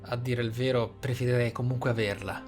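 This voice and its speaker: Man, gaming streamer, exclamatory commentary, mid-pitched, prominent game music. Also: fairly even intonation, fast, darkish tone. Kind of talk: gameplay commentary.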